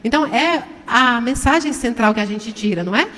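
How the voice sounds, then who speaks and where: A woman's voice: a little high, animated, a little fast. A middle-aged woman from Brazil giving an informal spiritist talk to an audience in a large hall, chatty, putting questions to the listeners. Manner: chatty, asks the audience questions, acts out shouts. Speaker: spiritist lecturer.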